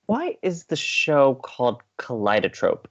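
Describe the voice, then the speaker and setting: A man's voice: mid-range voice, huge pitch swings, unhurried, fairly bright tone, slightly rough, muffled recording, heavily acted. A man playing an upbeat, playful young college radio co-host with an American accent, teasing and eager, in audio drama banter. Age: young adult.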